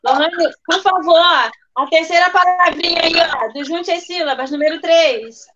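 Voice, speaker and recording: A woman's voice: very high voice, moderate pace, very noisy. A woman teacher running an online class for young children, coaxing and prompting pupils by name over a video call. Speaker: first-grade teacher. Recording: dull lo-fi video call audio.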